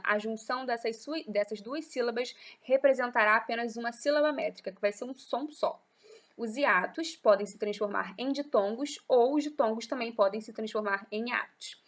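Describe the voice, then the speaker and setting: A woman's voice: on the high side, a bit bright. A woman teacher with a Brazilian Portuguese accent gives a class lecture, explaining patiently and often checking in with her students. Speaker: literature teacher.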